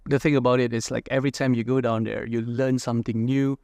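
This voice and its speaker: A man from Indonesia talks through his views as a guest in a casual interview. His voice has a gravelly edge, and the recording is dry and close. He thinks aloud, with fillers and frequent "right?" checks. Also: mid-range voice, flat delivery, quick pace, darkish tone, dry recording. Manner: reflective, many fillers and "right?" tags. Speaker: entrepreneur guest.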